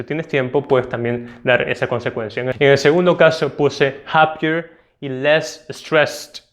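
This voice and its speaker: A man with a Latin American Spanish accent teaching a test-prep video lesson, explaining clearly and emphatically and checking in with "ok?". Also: mid-range voice.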